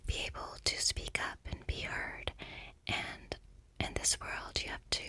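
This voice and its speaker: In a soothing ASMR session, a soft-spoken middle-aged woman gently whispers her way through a book. She takes her time and keeps her voice quiet and unhurried.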